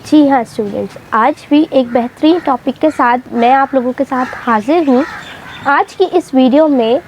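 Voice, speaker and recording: A young woman from Pakistan with a bright, high voice teaches English pronunciation. She talks to her students with patience, going back over each word slowly to demonstrate it. A faint hum of room noise sits under her voice. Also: highs cut off. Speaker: English teacher and channel host. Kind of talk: explanatory lesson to students.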